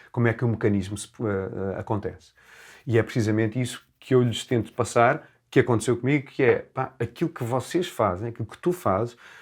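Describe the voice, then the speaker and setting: A somewhat breathy man speaks at a fairly quick pace with ordinary pitch variation and big swings in loudness. The recording is very clean, with a silent background. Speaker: singer and vocal coach. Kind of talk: interview. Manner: halting, many repeated words.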